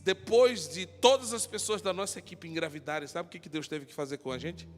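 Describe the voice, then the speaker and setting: A man, a pastor, preaching a sermon full of personal stories, moving between shouted passages and quiet talk. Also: a little high. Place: church. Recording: long hall reverb with soft music.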